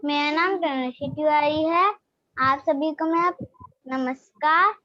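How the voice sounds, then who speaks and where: A young contestant reciting a poem in careful, measured lines over a video call. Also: female voice, high-pitched, a bit bright, dry recording, dull audio.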